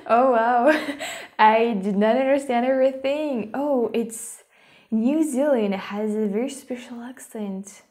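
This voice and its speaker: Young woman, French accent, mellow voice, chatty vlogger, whispery asides, small room. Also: fairly high pitch, slow pace. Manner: chatty, restarts often, breaks into whispers and laughs. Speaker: YouTuber. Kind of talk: casual vlog chat.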